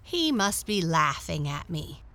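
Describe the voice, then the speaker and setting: A woman's voice: deep voice, big pitch swings, a little slow, fairly bright tone, exaggerated voice. A woman voicing a brave female black cat who talks firmly but kindly. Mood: surprised.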